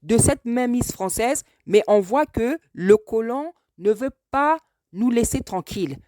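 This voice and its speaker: A woman's voice: on the high side, animated, a little slow, mellow, no room sound, clean studio sound. A woman from France giving an earnest, unscripted spoken address, hesitant and often repeating phrases for emphasis. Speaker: speaker addressing a video message to a politician.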